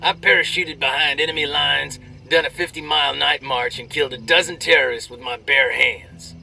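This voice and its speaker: An actor playing a brash, crude army soldier telling jokes with swaggering military banter and drawn-out delivery. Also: male voice, a little high, steady tone, vocal fry, bright, forceful tone, recorded from a distance, soft background music, exaggerated voice, poor audio. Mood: cocky, joking. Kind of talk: military banter, performed joke storytelling.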